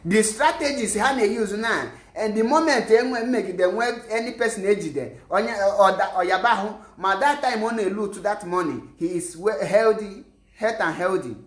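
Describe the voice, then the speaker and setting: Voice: mid-range voice, normal speed. A commentator from Nigeria with an Igbo accent, giving impassioned political commentary and switching between English and Igbo mid-sentence. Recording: roomy, echoey sound.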